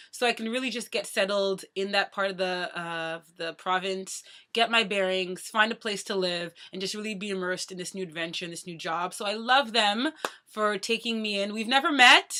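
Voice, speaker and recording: A woman in her thirties talks straight to her viewers in a loose, chatty vlog. Her voice is bright and forceful. She rattles along at a quick clip with a playful, joking manner. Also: mid-range voice. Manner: talks very fast. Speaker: vlogger. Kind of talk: casual chat to camera.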